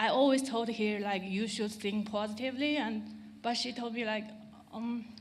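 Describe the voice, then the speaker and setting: With a fairly high pitch and fairly even intonation, a woman speaks at a moderate pace over noticeable background noise and audible room echo. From Lhasa, Tibet. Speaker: audience member asking a question. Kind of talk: audience Q&A. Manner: halting, many fillers.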